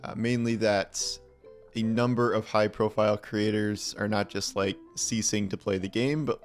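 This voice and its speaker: A man with a lowish voice delivers commentary in a very flat, measured way, with hardly any rise or fall in pitch. Faint music sits behind his voice. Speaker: video creator in a played clip.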